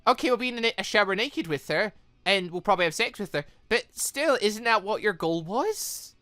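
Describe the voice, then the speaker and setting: A woman giving excitable video game commentary as a let's play host, reacting out loud with exclamations. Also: medium pitch, normal speed, no room sound.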